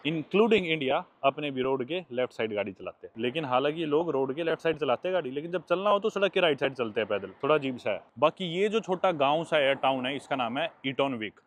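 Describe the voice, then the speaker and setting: A young man from India, chatting casually as a travel vlogger while walking outdoors and explaining what he sees. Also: fairly high pitch. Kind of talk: casual travel vlog narration. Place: outdoors by a road in a small town.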